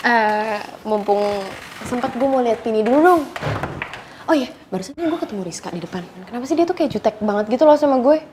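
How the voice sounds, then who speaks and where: A woman's voice: on the high side, expressive, a little fast, pauses often, noisy background, natural voice. A woman playing a humble young female gravedigger who talks casually and chattily. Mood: chatty.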